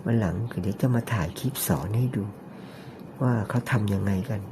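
Narrating an ear-cleaning demonstration, a man deliberately lifts his voice into a soft, falsetto-like register and tosses in chatty jokes. Background noise is audible.

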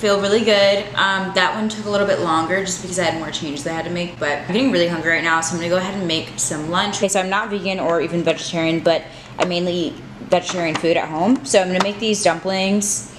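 A woman's voice: on the low side, fairly even intonation, fast talker, noisy background. A woman in her twenties vlogging at home, talking casually with lots of "like" fillers. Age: 20s. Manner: chatty, filler-heavy, upbeat. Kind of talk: casual vlog chat. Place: apartment room at home. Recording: echoey room.

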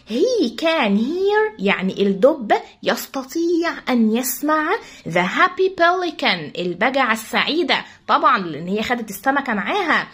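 A woman English teacher with an Egyptian Arabic accent explains a children's story quickly and reads the English sentences slowly. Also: sits high, fairly bright tone.

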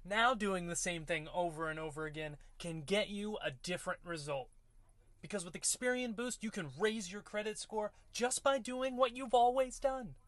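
A man's voice: high voice, normal speed, fairly bright tone, no room sound. A man in his thirties delivering scripted commercial narration as a voice-over artist.

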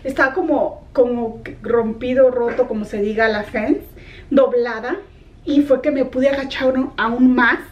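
Chatty high-voiced woman vlogging. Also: measured pace, far from the mic, dull audio. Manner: chatty, animated storytelling mixing in English words. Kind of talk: casual vlog chat. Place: her home, kitchen and yard.

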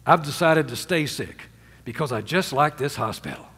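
Older pastor preaching in a reverberant hall. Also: male voice, lively intonation, moderate pace, husky. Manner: emphatic, swinging from loud highs to low hushed endings; asks the congregation for amens. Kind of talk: sermon. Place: large church sanctuary with stage and drum kit.

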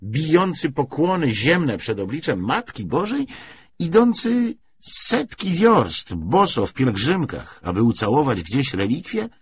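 A man's voice: mid-range voice, sing-song, a little slow, husky, voice pushed up, exaggerated voice. A man voicing a devout elderly father who is bewildered and questioning, speaking in an earnest, pleading, emphatic way. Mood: bewildered indignant. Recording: dull lo-fi recording.

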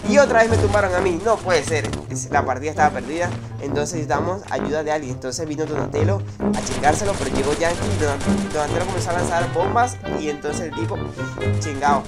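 A young man with a Mexican accent, giving excited, slangy commentary over his own gameplay. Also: fairly high pitch, quick pace, loud music behind the voice. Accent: Mexican Spanish. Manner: swings from hushed to shouting, slangy. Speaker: gaming youtuber.

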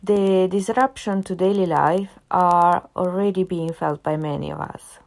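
Female podcast host with an Italian accent, slightly low voice, earnest and repetitive, casual solo delivery. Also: a little slow, darkish tone. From half Italian, family in Italy. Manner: earnest, repeats phrases for emphasis, some filler words.

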